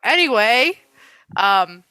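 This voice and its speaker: A woman's voice: on the high side, very animated, takes it slowly, bright, forceful tone, clean tone, no echo, low-quality recording. A young woman co-hosting a casual podcast chat, nasal and blunt, teasing with plenty of swearing. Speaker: podcast co-host.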